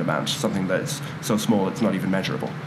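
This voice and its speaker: A man speaks with very wide pitch swings against noticeable background noise. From Ireland. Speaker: think tank director. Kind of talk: conference speech. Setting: stage with audience. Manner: hesitant, many fillers. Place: hall. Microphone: podium.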